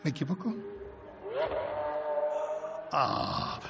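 An older man playing an eccentric, theatrical aristocrat who rambles, in a film dub. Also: extremely slow. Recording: film soundtrack with music under.

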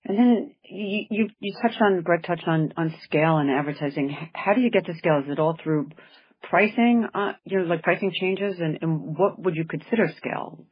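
A woman with a husky voice puts questions to executives as an analyst on an earnings call. The recording is a bit muffled, with the narrow sound of conference audio. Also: on the low side, normal speed. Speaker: interviewer, financial analyst. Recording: dull, band-limited conference call audio.

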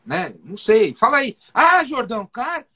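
A Brazilian man playing a surprised male doctor who picks up the phone and turns chummy and eager. The voice is high and husky. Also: very animated, moderate pace, bright, forceful tone, full character voice.

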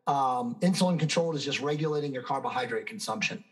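A confident fitness guest in his fifties gives conversational interview answers in a mid-range voice, talking fast on a low-quality recording. He lectures emphatically and sounds self-assured.

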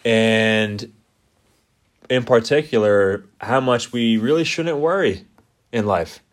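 A man's voice: medium pitch, slow pace. A young man co-hosting a casual podcast, speaking reflectively about faith and worry with many "you know"s. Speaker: podcast co-host. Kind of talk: casual chat.

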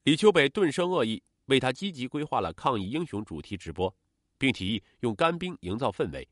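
A man tells a true-crime case as scripted narration, his mid-range voice rising and falling with lively, dramatic intonation. He is recorded close on a studio mic with a dry, dead sound and no room around it. His delivery stays steady, like a regular host reading a long-running series. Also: mid-range voice, fairly quick, dry recording.

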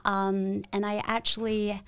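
A young woman from China speaks slowly and reflectively as a podcast guest. Her voice is smooth and soft-spoken. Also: medium pitch, flat delivery. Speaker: guest, protest host. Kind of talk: casual interview.

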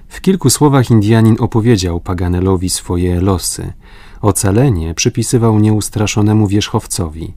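A man reading a classic adventure novel aloud in measured, even audiobook narration. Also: sits low, dry recording. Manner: measured, even storytelling with lifted voice for exclamations. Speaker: audiobook reader.

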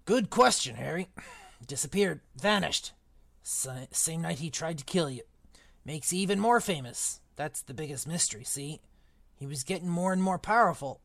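A man plays a big, blunt, kindly giant of a groundskeeper with rough folksy grammar, for a storybook reading. The voice sits a touch high for a man. It is recorded close and dry, with no room sound. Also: expressive, moderate pace, fairly bright tone, no echo, full character voice. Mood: musing. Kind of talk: audiobook character reading.

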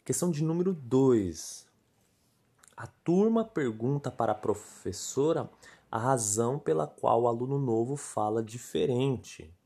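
A Brazilian man, a podcast host and Portuguese teacher, walks his students through a quiz at an easy, patient pace. His voice sits at an ordinary middle pitch, and he keeps checking in with his listeners as he goes. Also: expressive, a little slow, mellow, slightly rough. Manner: chatty and patient, leans on filler tags like "né" and "tá". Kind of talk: casual spoken lesson going over a quiz.

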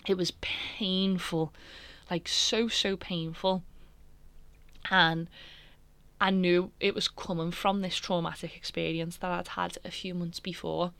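Casting note: woman, podcast host, low voice, dry close sound, emotional and candid. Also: level tone, measured pace, creaky, fairly bright tone, dry recording. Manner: emotional, candid, rambling with many fillers. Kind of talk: personal storytelling podcast.

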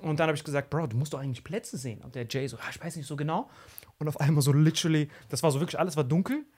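Young male podcast co-host, animated slangy storyteller, slightly high voice. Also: racing, breathy edge. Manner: animated storytelling, acts out quoted people, slangy. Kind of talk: casual podcast chat.

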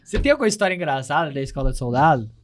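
High-voiced, animated man hosting a chat. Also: very fast, slight background noise. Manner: animated storyteller, swears freely, laughs often; acts out people's shouts in a raised voice. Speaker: podcast host. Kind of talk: casual chat.

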